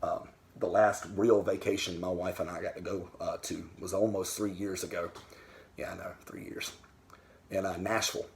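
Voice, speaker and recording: A man's voice: low-pitched, fairly even intonation, moderate pace, gravelly, a little hiss or hum. A man talking to camera about his records in a candid, rambling way, swearing freely. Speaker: vinyl record vlogger. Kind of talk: casual talk to camera. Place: home den.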